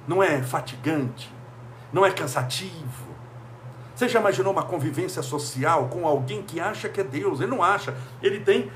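A man's voice: high-pitched, a bit bright, a little hiss or hum. A man from Brazil giving a motivational talk, full of emphatic rhetorical questions. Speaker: speaker.

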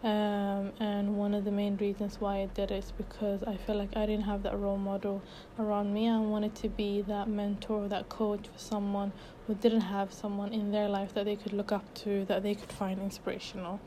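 A woman's voice: mid-range voice, completely flat delivery, normal speed, few pauses, dark tone, a little hiss or hum. A woman in her twenties from Sweden, hosting a casual unedited solo podcast as a life coach, chatty and upbeat with many fillers and restarts, a bit out of breath. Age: 20s.

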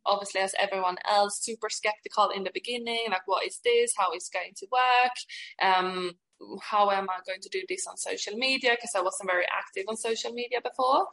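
A woman's voice: medium pitch, a bit bright, rough recording. Young Swedish woman, enthusiastic podcast guest. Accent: Swedish with some British. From Sweden. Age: 20s. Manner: enthusiastic, emphatic. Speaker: podcast guest, network marketer. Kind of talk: casual interview chat.

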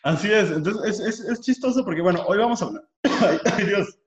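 A man's voice: high voice, expressive, a little fast. Joking Mexican man in echoey room. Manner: easygoing, joking. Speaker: podcast co-host. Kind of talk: casual chat.

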